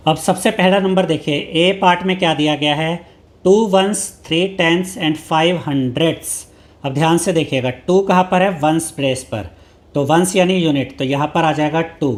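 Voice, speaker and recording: Patient maths teacher, man. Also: fairly high pitch. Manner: mixes Hindi with English maths terms, reads English textbook lines slowly; patient, repeats each step. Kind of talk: explaining a textbook lesson.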